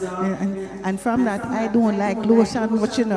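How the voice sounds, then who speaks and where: At a moderate pace, a woman is speaking. There is noticeable background noise and audible room echo. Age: 70s. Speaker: event host. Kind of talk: hosting remarks at youth symposium.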